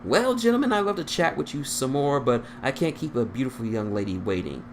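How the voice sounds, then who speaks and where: A man's voice: medium pitch, lively intonation, brisk, voice pushed up, natural voice. A man voicing a cocky, upbeat, affectionate hedgehog hero from fan fiction, on a noisy recording. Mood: playfully confident. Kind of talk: fan fiction character reading.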